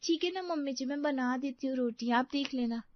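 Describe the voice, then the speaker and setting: A woman's voice: high-pitched, a little fast, no echo, highs cut off, pitched above the performer's own voice, lightly acted. A woman voicing a careless, naive young daughter-in-law in a cartoon story, speaking in a whiny, innocent way. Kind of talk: Hindi cartoon story voice acting.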